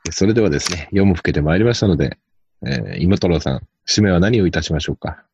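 A man's voice: low-pitched, lively intonation, fast, darkish tone, husky, dry recording. A man hosting a farming podcast, chatting casually with a guest and rambling with lots of fillers. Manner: rambling, hesitant, many fillers. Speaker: podcast host. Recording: dull lo-fi podcast audio.

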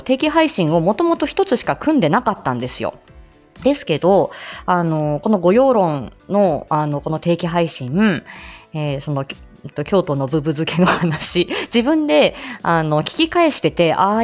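A woman hosting a casual solo live stream, chatting in a relaxed way, filling pauses with small hesitations, laughing lightly, and greeting listeners by name. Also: medium pitch.

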